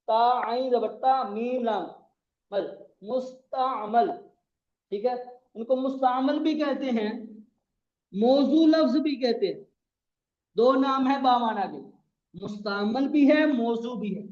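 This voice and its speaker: A man's voice: extremely high pitch, a little mellow. Man, Pakistani Urdu accent, grammar teacher, repetitive lecturing, dull lo-fi echoey sound. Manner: repetitive, spells out words letter by letter. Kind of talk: classroom lecture.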